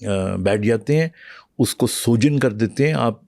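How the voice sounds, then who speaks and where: Man explaining calmly, warm dark voice. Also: medium pitch, vocal fry, dry recording, clean studio sound. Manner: patient, explaining, with fillers and pauses. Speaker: internal medicine doctor, podcast guest. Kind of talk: explanatory interview talk, mixing in English.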